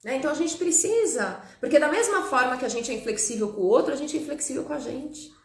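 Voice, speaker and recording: A woman's voice: high voice, expressive, quick pace. A woman psychologist in her thirties, talking casually to live viewers, adding frequent tag questions and greeting them by name. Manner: chatty, warm asides, frequent "né?" tags, laughs with viewers. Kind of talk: live-stream talk to viewers. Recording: echoey room.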